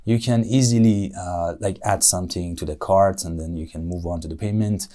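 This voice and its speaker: A young man whose first language is Persian, answering speaking-test questions in English with a Persian accent, pausing often on "uh" and correcting himself as he goes. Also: sits low, steady tone, dark tone. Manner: thoughtful, with frequent "uh" and self-corrections. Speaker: IELTS speaking test candidate. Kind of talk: exam-style spoken answers.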